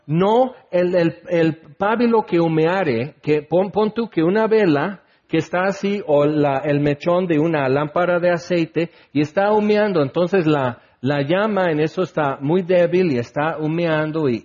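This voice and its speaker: Man, Mexican accent, conversational preacher, slightly high voice, muffled lo-fi sound. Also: a little slow, darkish tone. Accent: Mexican Spanish. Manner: conversational, acts out quoted people with a raised voice. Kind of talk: casual Bible teaching. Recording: dull lo-fi recording.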